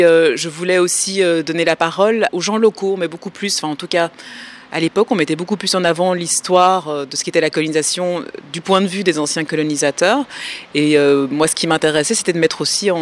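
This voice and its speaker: A woman, answering interview questions in a thoughtful, measured way as she searches for her words. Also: deep voice, a little hiss or hum. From Belgium. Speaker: guest researcher.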